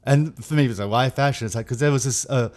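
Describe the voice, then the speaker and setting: A man from Australia with an Australian accent, a guest in casual chat, telling rambling, self-deprecating stories with quick asides. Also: mid-range voice, darkish tone.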